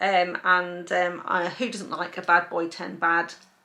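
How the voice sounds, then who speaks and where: A woman is speaking. She has a British accent. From England. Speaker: book reviewer. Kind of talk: casual book review monologue; blooper outtakes. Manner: hesitant, many fillers.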